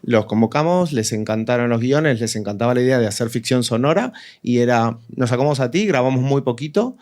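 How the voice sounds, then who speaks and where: A man's voice: medium pitch, expressive, a little fast, a little mellow. A man speaking as an audio fiction writer and director in a casual panel discussion, explaining with examples and quoted dialogue. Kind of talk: casual panel talk about craft.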